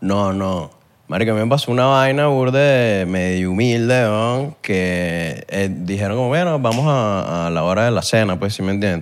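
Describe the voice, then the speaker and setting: A man with fairly low pitch on a very clean recording with a silent background. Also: lively intonation, moderate pace. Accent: Venezuelan. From Venezuela (Valencia). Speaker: actor. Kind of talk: casual chat. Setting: studio.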